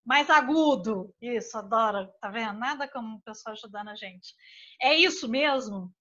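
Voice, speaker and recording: A woman's voice: fairly high pitch, moderate pace, bright, forceful tone, muffled recording. A woman host who is an architect, chatting with experts and often adding tag questions. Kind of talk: hosted expert conversation.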